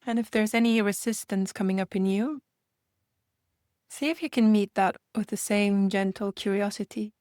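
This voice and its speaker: A woman leading a guided meditation in a gentle manner, speaking in unhurried invitations with long pauses. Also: mid-range voice, steady tone, no room sound, studio quality.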